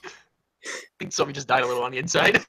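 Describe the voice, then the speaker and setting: A man's voice: mid-range voice, steady tone, rapid-fire, bright, forceful tone. A man hosting a casual group stream, teasing the others and laughing often. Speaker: stream host. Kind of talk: casual chat.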